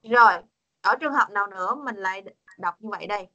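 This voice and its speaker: A woman's voice: mid-range voice, fast talker, sharp tone, dull audio. A woman teaching a Korean pronunciation lesson over a video call, patient and coaxing, repeating words for her students.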